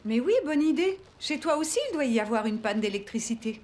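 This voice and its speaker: A woman's voice: on the high side, expressive, brisk, a little mellow, natural voice. A woman voicing a caring, reassuring mother in a French children's cartoon, with a tender, soothing manner. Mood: kindly. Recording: faint music behind the voice.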